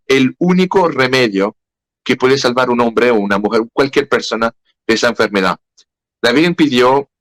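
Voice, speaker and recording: A man with a French accent speaking Spanish as a second language in a podcast interview, halting and searching for words. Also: medium pitch, fairly bright tone, no echo, poor audio. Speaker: guest.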